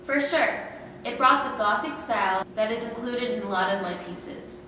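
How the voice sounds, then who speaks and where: A woman's voice: a little high, moderate pace, sharp tone. A woman playing a friendly, self-assured male Renaissance sculptor, speaking plainly in a school-style historical skit. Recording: echoey hall from far off, noisy.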